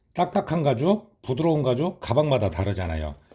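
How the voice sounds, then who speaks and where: Somewhat breathy and dark, mellow in tone, a man's voice swings very widely in pitch. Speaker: leather restoration craftsman. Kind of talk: tutorial. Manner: casual, conversational.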